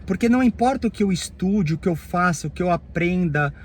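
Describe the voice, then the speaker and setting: A therapist with a Brazilian Portuguese accent gives a reflective personal monologue, speaking in halting bursts phrase by phrase and often adding tag questions. His voice is high-pitched and animated, with slight background noise in the recording.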